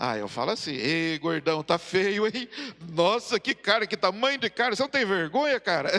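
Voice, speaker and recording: A man's raised, projected voice, high in pitch with very wide pitch swings, in dry, close sound with no echo. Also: moderate pace. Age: old. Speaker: church elder preaching. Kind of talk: sermon. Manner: conversational, humorous storytelling.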